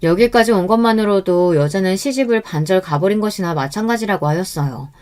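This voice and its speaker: A woman tells a first-person story in calm, even scripted narration. Her voice is mid-pitched and steady. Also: brisk.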